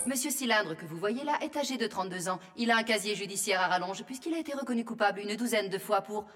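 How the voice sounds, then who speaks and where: A woman voicing a calm, dry and precise female computer assistant in a French cartoon dub. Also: medium pitch, fast talker, faint music behind, lightly acted.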